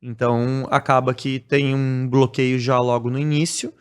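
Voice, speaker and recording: A man from Brazil, a podcast guest talking casually in a blunt, direct way and growing animated when he explains. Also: medium pitch, moderate pace, clean tone. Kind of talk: casual conversation.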